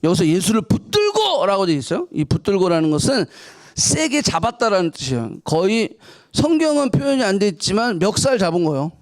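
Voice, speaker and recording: A woman's voice: mid-range voice, big pitch swings, a little fast. A woman pastor preaching a sermon in a church, speaking in a colloquial, dramatic way and mixing in English words. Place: church sanctuary.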